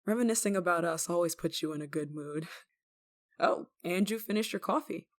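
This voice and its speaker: A woman playing a desperate, guilt-ridden young lover in an intimate audio roleplay, tender and anxious, with halting, stammering delivery. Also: fairly low pitch, natural voice. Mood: gentle, uneasy. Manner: halting, stammering, emotionally fragile.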